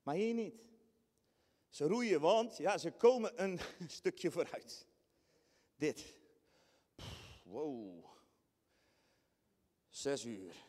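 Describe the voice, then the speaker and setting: A man preaching a lively sermon, acting out scenes with sudden high shrieks and bursts of laughter. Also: extremely slow, pauses often. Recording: long hall reverb in a church.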